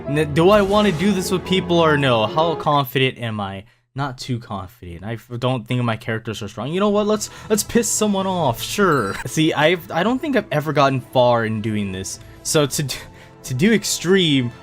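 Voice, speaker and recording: A man's voice: a little high, very animated, normal speed. A man casually commenting on his own mobile game play, rambling and self-mocking with frequent laughs. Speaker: gaming YouTuber. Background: faint game music.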